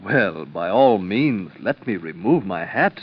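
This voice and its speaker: A man's voice: low-pitched, animated, slow, husky, exaggerated voice. An actor playing a genial, spendthrift king with an amused, condescending courtly manner, in an old radio drama. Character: genial, wry, spendthrift adult male king. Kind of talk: 1930s radio drama acting. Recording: dull lo-fi old radio transcription.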